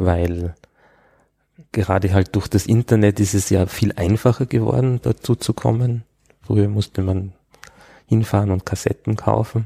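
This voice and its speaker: A man speaks in a somewhat breathy voice with a dark, mellow tone and a dry, close sound with no echo. His loudness stays very even, his pitch varies in an ordinary way, and he moves at a moderate pace with long, frequent pauses. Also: fairly low pitch for a man. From Austria, Tyrol (Innsbruck). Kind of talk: interview. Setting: office.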